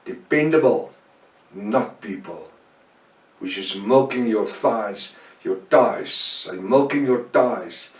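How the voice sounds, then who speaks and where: A man's voice: lowish voice, slow, recorded from a distance. Afrikaans-accented man preaching in an echoey room. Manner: fervent, emphatic preaching with prayers. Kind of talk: sermon Bible study.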